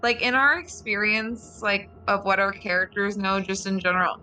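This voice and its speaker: Girl playing a tabletop rpg, bright clear-cut voice, casual questions. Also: medium pitch, steady tone, moderate pace, a little hiss or hum, poor audio. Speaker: tabletop game player. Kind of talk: casual game table chat.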